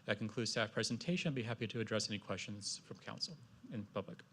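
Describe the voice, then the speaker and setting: A man giving a formal staff presentation at a public meeting, speaking in a halting, procedural way. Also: lowish voice, a bit bright, a little hiss or hum. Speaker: city staff member presenting.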